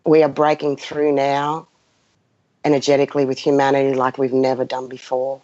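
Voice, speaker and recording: A woman's voice: very deep voice, monotone, normal speed, darkish tone. A woman in her fifties giving an unscripted, passionate spiritual talk, speaking emphatically and repeating phrases as she guides listeners. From Greek background. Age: 50s. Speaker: spiritual guide hosting a live session. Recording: muffled, roomy lo-fi sound.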